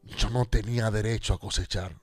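A man, a pastor on a Christian radio show, giving an animated personal testimony and acting out the dialogue as he tells it. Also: on the low side, normal speed, husky, no echo, soft background music.

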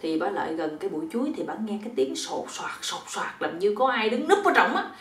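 A woman's voice: medium pitch, big pitch swings, fast, far from the mic. A woman with a Southern Vietnamese accent telling a folk tale casually, chatty, with asides to the listener. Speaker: storyteller. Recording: roomy echo.

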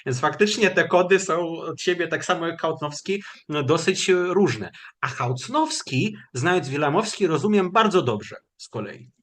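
A man giving a lecture, answering questions after a webinar in a measured, explanatory way with hesitant fillers over a video call. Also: fairly high pitch, expressive, fairly bright tone.

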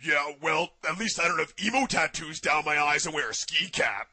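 A man's voice: a little high, animated, moderate pace, sharp tone, breathy edge, exaggerated voice. A man voicing a dim-witted young henchman in a fan parody dub, dopey and whiny.

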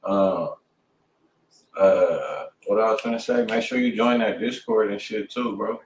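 A man's voice: lowish voice, unhurried, echoey room, far from the mic, slight background noise, low-quality recording. A man in his thirties hosting a casual livestream from a home studio, talking in laid-back slang and swearing freely. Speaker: host.

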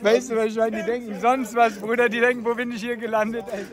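A man's voice: very high-pitched, level tone, fast talker, crowd noise. A young man earnestly explaining something to a friend in casual chat.

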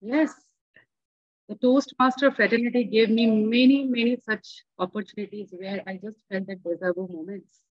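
A woman's voice: mid-range voice, fairly even intonation, normal speed, no echo. A woman in her forties whose first language is Hindi, giving an earnest impromptu club speech over a video call. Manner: earnest, emphatic, gestures while speaking. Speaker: club member answering a table topic. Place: home room. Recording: dull lo-fi video call audio.

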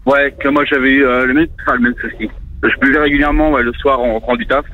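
Fast-talking male radio caller, medium pitch. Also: steady tone, phone-quality sound, slight background noise. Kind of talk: casual chat.

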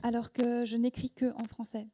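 Soft, mellow-voiced woman author, thoughtful and halting. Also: on the high side, little pitch movement. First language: Korean. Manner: thoughtful, halting, with many restarts and fillers. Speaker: guest author. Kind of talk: reflective interview answers. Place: indoor event room with audience. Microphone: handheld microphone.

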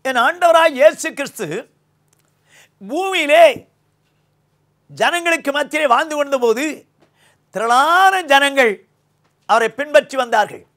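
An older man with a Tamil accent preaching a sermon from a small indoor studio on a lapel mic, swinging between loud emphasis and low quiet lines. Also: a little slow, pauses often. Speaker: pastor.

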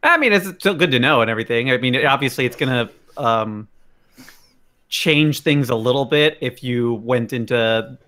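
A man's voice: mid-range voice, moderate pace, pushed and bright. A man co-hosting a casual gaming podcast, talking with hesitant starts and plenty of fillers. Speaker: podcast co-host.

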